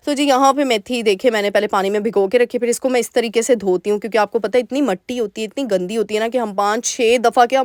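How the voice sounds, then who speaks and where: A young woman with a sore throat doing a chatty voice-over for her cooking vlog, recorded in a small dark store room. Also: mid-range voice, no echo, clean studio sound. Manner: warm, chatty, homely advice-giving. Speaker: vlogger homemaker.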